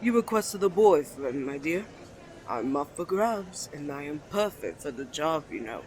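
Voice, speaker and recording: Man voicing flirtatious twin brother, smooth, self-assured, teasing, courtly endearments, romantic audio roleplay, light background noise. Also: fairly high pitch, very animated, darkish tone. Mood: teasing, tender. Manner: suave, drawn-out, playfully formal endearments. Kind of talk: romantic ASMR roleplay acting.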